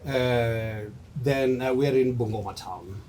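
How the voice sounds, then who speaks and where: A man's voice: mid-range voice, unhurried, darkish tone, a little hiss or hum. A man hosting a casual interview, asking long, rambling questions full of fillers.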